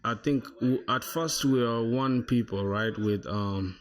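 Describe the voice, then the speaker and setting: A man's voice: medium pitch, measured pace. A young man from South Sudan whose first language is Shilluk, casually thinking aloud and chatting with viewers while he codes, calling them "bro" often. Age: young adult. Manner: relaxed, thinks aloud, says "bro" a lot. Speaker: livestreaming programmer. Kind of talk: casual coding livestream chat.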